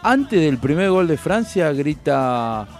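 A man with a Rioplatense Argentine accent co-hosting a casual football chat, telling animated, jokey stories. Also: a little high, slow pace, soft background music. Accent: Argentine Rioplatense Spanish. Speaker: co-host.

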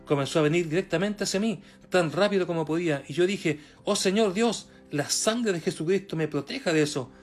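Chilean male preacher, slightly high voice, hesitant and repetitive, soft music under him. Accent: Chilean Spanish. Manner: halting, many fillers and repeated words, rising for emphasis. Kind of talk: sermon reading and retelling a testimony.

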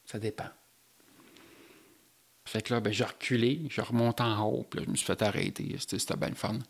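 A man with a Québécois French accent, telling a personal story in an animated way with local slang. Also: on the low side, brisk, creaky.

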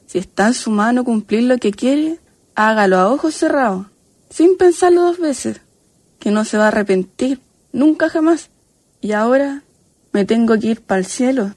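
A woman's voice: sits high, warm tone, no room sound. A woman with a Chilean accent playing a folksy, chatty countrywoman ghost who is fond of a drink, in a radio drama. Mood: joyful, relieved. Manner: folksy, chatty, affectionate diminutives.

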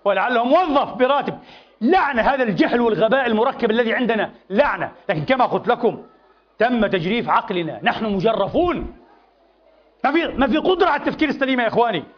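Man, preacher, impassioned, repetitive rhetoric, fast, lo-fi sound. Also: very high voice, animated. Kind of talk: Friday sermon. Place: mosque. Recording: dull lo-fi sermon recording.

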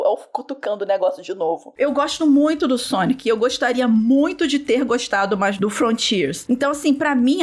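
Chatty Brazilian woman podcaster. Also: fairly high pitch. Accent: Brazilian Portuguese. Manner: chatty and rambling, with many restarts. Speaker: podcast co-host. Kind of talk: casual gaming podcast chat. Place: home, recorded remotely.

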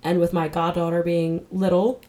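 A woman's voice: on the low side, level tone, normal speed, mellow. A woman with a nasal voice co-hosting a podcast in candid, casual chat. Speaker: podcast co-host.

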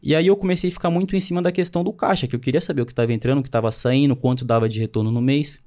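Fast-talking young man telling his story. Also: medium pitch, a little mellow. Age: 20s. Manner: slangy storytelling, quotes others' words. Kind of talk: casual chat.

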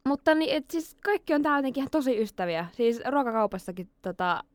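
A young woman in casual chat, lively and acting out what others said. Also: sits high, no echo, clean studio sound. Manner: lively, acts out quoted speech.

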